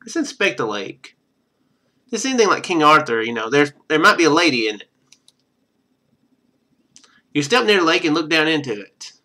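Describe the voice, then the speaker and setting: A man's voice: on the high side, big pitch swings, normal speed, long pauses, bright, forceful tone. A man streaming a game, reading its text aloud and adding casual, wry asides.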